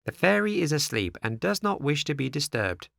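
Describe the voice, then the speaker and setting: A man voicing a large female snail in a storybook, calm, peaceful and never in a hurry. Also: a little high, moderate pace, creaky, no room sound, clean studio sound, pitched above the performer's own voice, exaggerated voice. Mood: calm, patient. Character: large female snail servant, calm, slow, unhurried, motherly.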